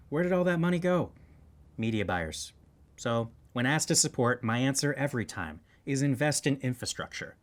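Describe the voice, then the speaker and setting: A man hosting a satirical news show, delivering scripted political commentary in a wry, tongue-in-cheek way. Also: mid-range voice.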